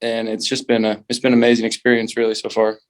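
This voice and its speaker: A young American man, a rugby player, giving halting, easygoing interview answers full of fillers. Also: medium pitch, completely flat delivery. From United States. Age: young adult.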